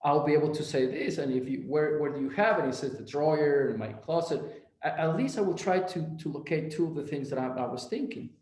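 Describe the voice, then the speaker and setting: A man from Mexico walks through a clinical case in a recorded talk, stumbling over repeated words as he retells what his patients said. His voice sits a little high for a man. The sound carries an echoey room around it. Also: lively intonation, a little fast, a little mellow. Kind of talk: recorded academic presentation.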